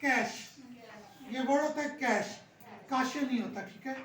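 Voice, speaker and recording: A woman lecturing a workshop on pronunciation, repeating words slowly and often checking that her listeners follow. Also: sits high, a bit bright. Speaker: pronunciation trainer. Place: classroom or workshop hall. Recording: echoey room from far off, audience noise. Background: audience of teachers.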